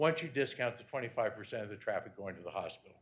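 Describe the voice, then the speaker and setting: A man's bright, sharp tone with audible room echo. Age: 70s. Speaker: public commenter at city council. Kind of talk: public comment at council meeting.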